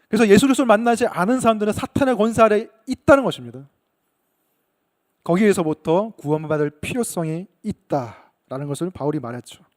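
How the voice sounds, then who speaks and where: A male pastor giving an emphatic Bible-study sermon, rising to fervent emphasis and briefly acting out shouted lines. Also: high-pitched. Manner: emphatic preaching, acts out shouted quotes.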